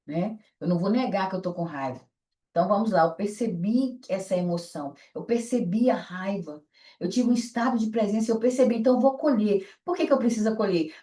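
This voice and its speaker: A woman's voice: medium pitch, a little mellow. A woman with a Brazilian Portuguese accent teaching an online course, asking and answering her own questions. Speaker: instructor. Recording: echoey room, voice from a distance.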